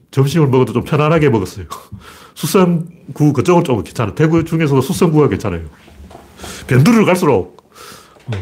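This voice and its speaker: Husky man with a blunt, lively delivery. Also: medium pitch. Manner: blunt, rambling storyteller. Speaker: host of a political talk show. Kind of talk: casual political monologue.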